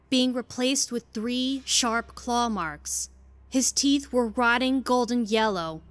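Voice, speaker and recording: A woman's voice: a little high, fairly bright tone, no echo. A woman reading scripted narration for an audio drama as the storyteller. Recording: clear background noise.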